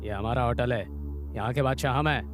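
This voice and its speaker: An actor dubbing a brash, boastful gang boss in a film, swaggering and mocking. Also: male voice, medium pitch, brisk, music in the background, natural voice. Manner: swaggering, mocking, laughs at others. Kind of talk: Hindi film dub. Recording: film soundtrack with loud score.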